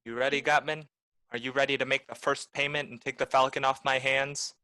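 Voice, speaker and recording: A man playing a hard-boiled private detective in a noir radio play, terse, wry and deadpan. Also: medium pitch, a little fast, clear, resonant tone, dry recording, natural voice. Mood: tough, defiant.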